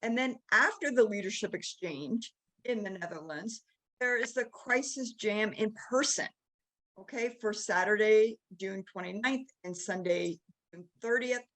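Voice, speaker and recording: A woman's voice: mid-range voice, unhurried, poor audio. Enthusiastic woman hosting, lots of ums. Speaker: show host. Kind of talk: casual chat.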